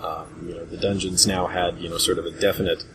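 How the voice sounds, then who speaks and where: A man hosting a casual group discussion about retro games in a rambling, hesitant way, on a low-grade voice chat recording. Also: level tone, brisk, creaky, noisy background. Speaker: podcast host.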